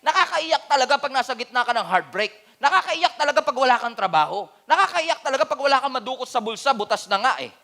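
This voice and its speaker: With a very high male voice full of vocal fry, this Filipino pastor races through an animated, comic sermon in mixed Tagalog and English, hardly pausing at all. His Filipino accent marks him as from the Philippines.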